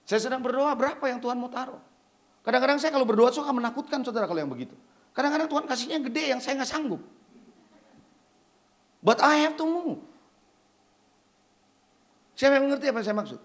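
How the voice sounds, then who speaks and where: A man's voice: very high voice, expressive, fairly quick, pauses often. A male pastor preaching an emphatic sermon, firing rhetorical questions at the congregation and slipping English phrases into his talk.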